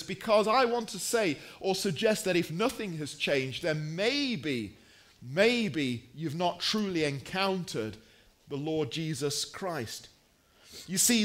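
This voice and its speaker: A man preaching a sermon in a deliberate, emphatic way, pausing between phrases and posing rhetorical questions. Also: high-pitched, a bit bright.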